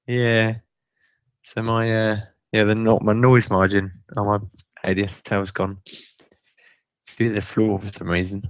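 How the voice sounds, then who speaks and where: Hoarse low-voiced man. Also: little pitch movement, unhurried, long pauses, no echo, poor audio. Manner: rambling, restarts, light chuckles. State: hoarse, croaky voice from a chest infection. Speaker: podcast co-host. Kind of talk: casual tech chat.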